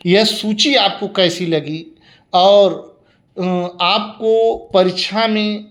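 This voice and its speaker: Slow, deliberate Hindi teacher, man. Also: fairly high pitch. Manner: deliberate, repeats each word twice, explanatory. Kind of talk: slow spelling lesson.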